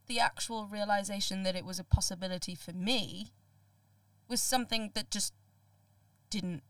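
Lively, laughing young woman from Sri Lanka. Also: mid-range voice, normal speed, no echo, far from the mic. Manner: animated, laughs often, restarts words. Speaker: guest. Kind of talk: casual podcast conversation.

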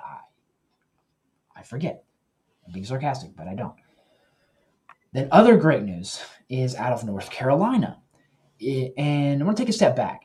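A man hosting a Christian news commentary show, talking earnestly and directly to his listeners, often pausing and correcting himself. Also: medium pitch, darkish tone. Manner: earnest, with self-corrections and pauses.

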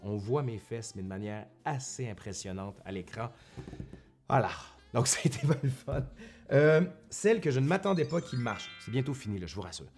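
Speaking at an ordinary pace, a male history vlogger from Quebec, Canada, uses a mid-pitched, slightly mellow voice with lively intonation and a Québécois French accent. Also a university professor, he talks informally and at length to viewers from home in front of a bookshelf, self-correcting and tossing in colloquial asides. Faint music plays in the recording.

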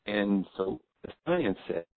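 Gravelly man on a phone line that keeps cutting out. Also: lowish voice, sing-song. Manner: earnest, explanatory, halting with fillers. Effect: phone line breaking up, cutting out. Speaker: health expert guest. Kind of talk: phone interview. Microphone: phone held to the ear. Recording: tinny dry phone line.

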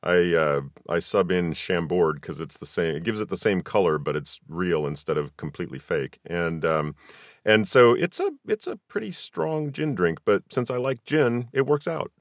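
A man's voice: low voice, animated, normal speed, dry recording, clean studio sound. A middle-aged American man hosting a casual conversational interview. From Southern California, US. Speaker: podcast host.

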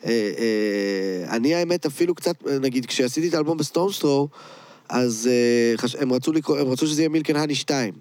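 This Israeli-accented rapper and producer speaks at a medium pitch with a slightly mellow tone, captured in a dry recording. During the interview he keeps things loose, using slang mixed with English terms.

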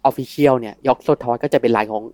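A man's voice: mid-range voice, normal speed, darkish tone, no echo. A man co-hosting a podcast, explaining lore at length in casual chat and laughing between points.

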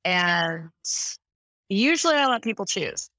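A woman's voice: medium pitch, very animated, measured pace, pushed and bright, no room sound. A woman hosting a podcast, introducing her guest in an effusive, rambling way from a hotel room. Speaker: podcast host. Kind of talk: enthusiastic interview introduction.

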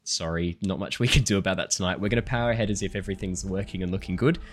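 A man running a tabletop game as dungeon master, slightly hoarse, chatty and apologetic while he sets up the session and reads the recap. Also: low voice, racing. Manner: chatty, apologetic, laughing between remarks. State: hoarse after illness.

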